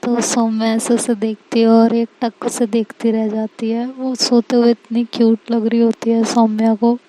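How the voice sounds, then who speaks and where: A young woman narrating a romantic story slowly and softly, mixing English words into her speech. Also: a little high, completely flat delivery, background noise. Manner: slow, soft, mixes English words.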